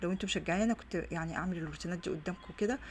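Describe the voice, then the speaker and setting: Racing along in a fairly low, darkish voice, a middle-aged Egyptian woman chats in her home vlog. The mother rambles with plenty of restarts in Egyptian Arabic while a phone on a stand records her indoors, with slight background noise present.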